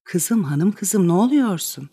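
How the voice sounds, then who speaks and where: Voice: medium pitch, lively intonation, measured pace, dark tone, slightly rough. A reader doing a fretful old wet nurse. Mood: bewildered. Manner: bewildered and fussing, wringing out laments. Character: older woman, a fretful, devoted wet nurse. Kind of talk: dramatic reading of a stage play.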